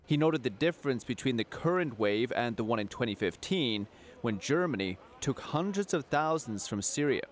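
A man reading a scripted news report in a measured, formal way. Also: mid-range voice, lively intonation.

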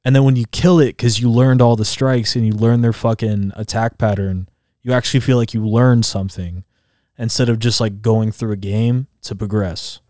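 A man's voice: lowish voice, moderate pace, no room sound, clean studio sound. A man in his twenties on a casual podcast, telling stories with lots of "like" and "bro" and acting out game sounds. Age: 20s. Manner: animated storyteller, acts out game sounds, heavy filler "like" and "bro". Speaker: podcast co-host. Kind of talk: casual chat.

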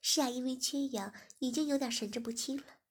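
Woman, story narrator, gravelly voice, husky tone, fairly high pitch, even delivery. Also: brisk. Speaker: story reader. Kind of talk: first-person erotic story narration.

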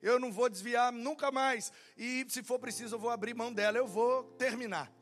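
A man's voice: very high voice, moderate pace, faint music behind. A young man preaching as a pastor, telling a story and acting out the dialogue. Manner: animated, acts out dialogue in quotes. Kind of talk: sermon storytelling.

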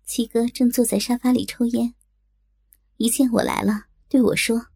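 A woman narrates a first-person audio story in a smooth, playful way. Her voice sits fairly high, with a mellow, breathy tone. Soft music plays faintly behind her. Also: fairly even intonation, moderate pace, no room sound.

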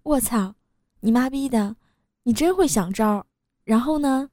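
A woman's voice: fairly high pitch, expressive, a little slow, warm tone, dry recording, studio quality. A woman reading the lines of a bold, foul-mouthed female factory worker in a coarse, teasing manner.

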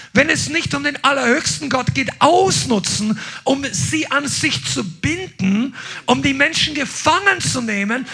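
A man preaching a sermon with passion, swinging between loud declarations and quick, quiet asides, now and then dropping in English words. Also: very high voice, gravelly.

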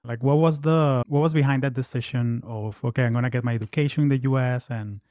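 A man's voice: mid-range voice, fairly even intonation, quick pace, mellow, dry recording. A man hosting a podcast, giving upbeat announcements and interviewing a guest in a friendly, conversational way. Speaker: podcast host.

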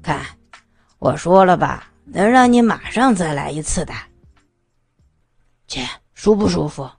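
A woman's voice: lowish voice, expressive, unhurried, creaky, a little mellow, faint music behind, voice pushed down. A woman voicing a cocky, teasing young male lover in an audio story. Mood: smug teasing. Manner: smug, teasing.

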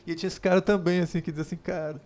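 A man co-hosting a casual chat, rambling and animated, with lots of fillers. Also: high voice, racing. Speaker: podcast co-host.

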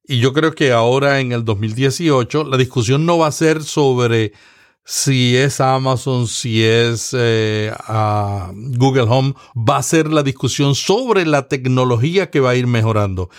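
A man from Latin America hosts a podcast conversation at a mid pitch. He explains at length in a measured, steady way, often restarting a phrase before finishing it. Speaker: podcast host.

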